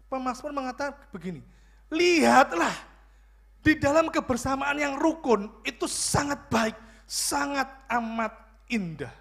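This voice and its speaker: A male pastor, preaching a lively sermon full of jokes and questions to the congregation. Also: high-pitched. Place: church.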